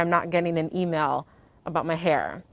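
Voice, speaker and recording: Over a very clean recording with a silent background, a woman talks at a moderate pace in a fairly low pitch, an unremarkable speaking voice. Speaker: interviewer. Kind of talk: casual interview conversation.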